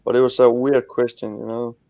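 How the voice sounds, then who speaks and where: Gravelly young Danish man, blunt. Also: mid-range voice, level tone, a little fast, dark tone, no echo. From Denmark. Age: 20s. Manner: rambling, blunt, restarts often. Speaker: streamer guest. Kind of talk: casual livestream chat. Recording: muffled lo-fi stream audio.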